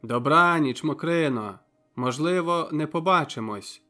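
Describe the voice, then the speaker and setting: A male audiobook narrator voicing a grave young village man who speaks in terse, halting phrases. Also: a little high, sharp tone, soft background music. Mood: grave, tender.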